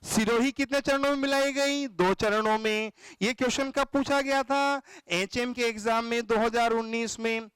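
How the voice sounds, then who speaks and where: A man's voice: very high voice, steady tone, moderate pace, fairly bright tone, smooth, no room sound. A male teacher giving an exam-prep lecture, asking questions and answering them himself in a call-and-response rhythm. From Rajasthan, India. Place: classroom or studio.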